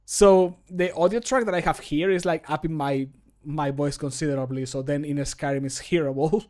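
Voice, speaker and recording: Streaming from a small home room, this thirtysomething hobby voice actor talks into a close desk mic in a voice on the high side, steady and somewhat dark. He keeps a moderate pace, joking around, poking fun at himself, and adding playful sound words as he works.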